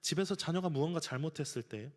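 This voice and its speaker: A man's voice: a little high, quick pace. A man preaching a sermon as pastor, earnest, sometimes acting out everyday scenes. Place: church sanctuary. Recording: church hall reverb.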